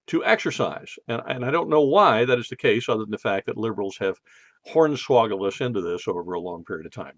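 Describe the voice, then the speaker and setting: Still numb on the left side of his face from the dentist, a US podcast host delivers a casual monologue with slightly slurred words. He has a mid-range male voice, and the dull audio has no room sound.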